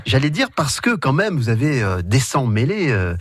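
A man's voice: medium pitch, sing-song, normal speed, a crowd in the background. A man hosting a live radio talk show, jovial and teasing, often stumbling over fillers and restarts. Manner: hesitant, frequent fillers and restarts. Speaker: radio host. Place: radio studio.

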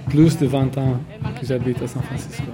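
A man from Portugal, a graffiti artist speaking haltingly in a street interview, with many pauses and ums. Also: medium pitch, flat delivery. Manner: hesitant, halting, full of ums.

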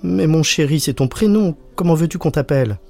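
A fussy, doting mother, as a man reading a storybook puts her on, cooing over her little boy. The voice is lifted well above the reader's own, pampering and a bit loud, with music playing underneath. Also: on the high side, animated, fairly quick, gravelly, pitched above the performer's own voice.

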